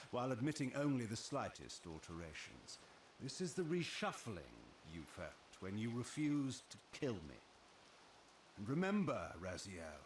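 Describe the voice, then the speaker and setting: An actor playing a scheming ancient vampire lord in a video game, with a grave, deliberate, theatrical delivery. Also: male voice, medium pitch, reverberant, a little hiss or hum. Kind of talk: dramatic video game voice acting.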